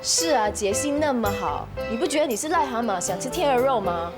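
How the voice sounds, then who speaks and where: A woman's voice: on the high side, expressive, fairly quick, natural voice. An actress playing a sarcastic, materialistic young woman teasing a friend in a TV drama. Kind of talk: TV drama acting. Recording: dialogue under loud music.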